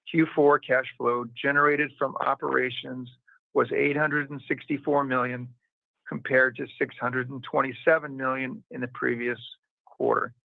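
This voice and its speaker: Gravelly man on a tinny phone line. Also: mid-range voice, no echo. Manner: formal, measured reading of figures. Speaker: company finance executive on an earnings call. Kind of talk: scripted financial report read aloud.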